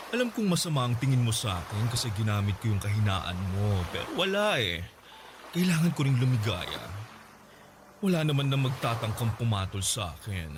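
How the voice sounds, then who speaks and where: A man's voice: on the low side, background noise. A smug rich older gay man. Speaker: character in a radio drama. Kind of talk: radio drama acting.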